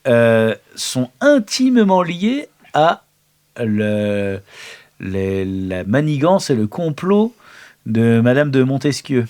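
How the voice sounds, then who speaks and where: A man with a mid-pitched voice and very animated intonation. He banters casually as a player in an improvised role-playing game. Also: takes it slowly, clean tone.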